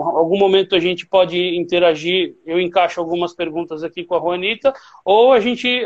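This is a man with a fairly high voice hosting a casual live stream. He is chatty and warm, laughs often and pads his talk with fillers. The stream audio sounds dull and lo-fi. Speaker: host of a travel-trade live stream.

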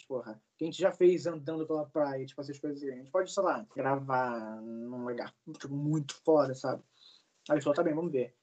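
A man's voice: mid-range voice, darkish tone, highs cut off. A man in his early twenties telling stories in a casual interview, rambling with lots of fillers and swearing. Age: 20s. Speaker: guest, singer.

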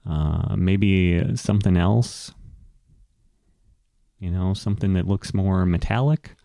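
A man with a low, mellow voice runs a tabletop game. He narrates slowly and off the cuff, pausing to search for words, in a dry close sound. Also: creaky, dry recording. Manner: hesitant, pausing to find words. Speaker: game master and show host. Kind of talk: improvised tabletop game narration and casual chat.

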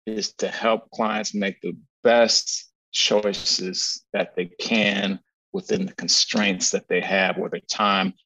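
A man being interviewed as an agency strategist, telling stories in a blunt, animated way with lots of swearing and repeated words. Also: fairly low pitch, takes it slowly, low-quality recording. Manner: animated storytelling, frequent profanity and repetitions. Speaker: guest, agency founder and strategist. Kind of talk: casual podcast interview.

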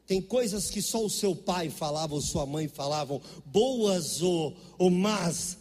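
A man's voice: high-pitched, expressive, takes it slowly, a little mellow, in a large hall. A middle-aged Brazilian man preaching a sermon, telling stories in an emphatic, conversational way. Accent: Brazilian Portuguese. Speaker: pastor. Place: church.

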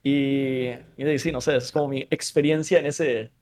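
A young man from the United States whose first language is English, a content creator telling a casual story in relaxed, slangy speech. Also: medium pitch, normal speed.

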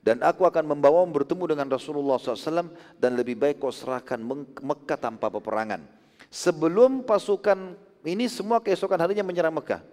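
A man voicing a grave, honest male warrior in a retold story, speaking lower and more quietly than his narration. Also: fast talker, natural voice. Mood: reassuring. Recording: long hall reverb.

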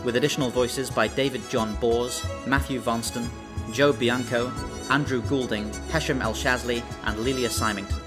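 A man's voice: mid-range voice, steady tone, normal speed, few pauses. A man reading scripted end credits as an announcer. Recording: voice over string music.

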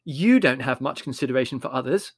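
A man's voice: mid-range voice, expressive, a little fast. A man voicing an impatient, blunt young woman.

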